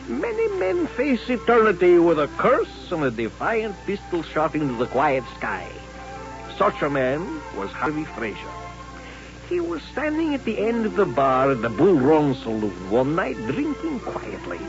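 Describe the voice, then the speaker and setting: Wry gypsy peddler, wildly swooping voice. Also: male voice, fairly high pitch. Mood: storytelling. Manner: theatrical, musing, wry. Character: wry, philosophical gypsy peddler man, storyteller. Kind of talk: 1950s radio drama narration and dialogue. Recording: dull vintage radio recording, music behind.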